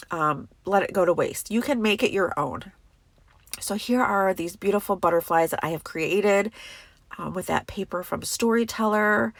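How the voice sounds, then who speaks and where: A woman's voice: mid-range voice, gravelly, fairly bright tone, no room sound. A woman with a stuffy, congested voice, chatting enthusiastically through a crafting tutorial voice-over. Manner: chatty and enthusiastic, many fillers.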